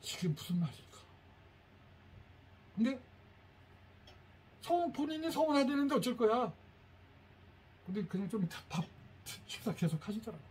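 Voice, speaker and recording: A middle-aged man, a teacher, giving a lively workshop to parents and coaxing the audience to repeat phrases after him. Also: extremely high pitch, moderate pace, pauses often, a little hiss or hum.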